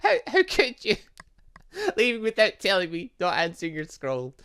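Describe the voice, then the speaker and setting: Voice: medium pitch, wildly swooping pitch, normal speed, fairly bright tone, clear, resonant tone, voice pushed up. A gaming host voicing an earnest, worried teenage girl scolding a friend in a visual novel game. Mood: hurt, worried.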